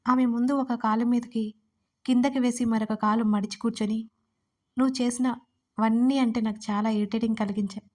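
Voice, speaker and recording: A woman's voice: a little high, fairly even intonation, normal speed, darkish tone. A woman narrating a romantic story and reading both lovers' lines herself. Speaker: writer and narrator.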